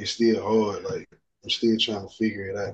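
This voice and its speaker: A man's somewhat breathy voice, fairly low in pitch, at a fairly quick pace. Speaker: participant in men's group. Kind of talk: group discussion. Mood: reflective, candid. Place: home room. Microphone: video call.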